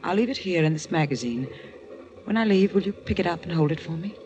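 A woman's voice: on the low side, expressive, fast, a little mellow, lo-fi sound, a little hiss or hum, lightly acted. An actress in a 1940s radio drama playing a guarded, mysterious young woman who speaks in clipped, coy replies, on an old radio recording. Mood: anxious, confiding.

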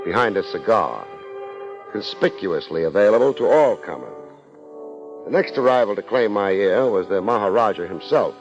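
Laid back old-time radio detective, wry, deep-ish but lively, muffled old recording. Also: male voice. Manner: deadpan, wisecracking. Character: laid-back, wry hard-boiled male private investigator. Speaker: lead actor, narrating and playing the detective. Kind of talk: 1950s radio detective acting. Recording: muffled 1950s radio transcription.

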